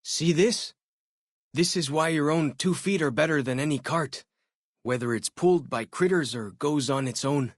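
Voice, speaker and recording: A man's voice: on the high side, normal speed, no echo, studio quality, lightly acted. A man playing a friendly, curious young tribal scout and guide in a video game, chatty and folksy. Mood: curious, wondering. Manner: folksy, chatty, inquisitive, easygoing phrasing. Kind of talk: video game companion dialogue.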